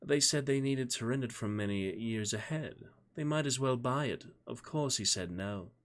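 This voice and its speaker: Man voicing an elegant British young woman, lifted pitch. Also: normal speed, natural voice. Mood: playful, teasing.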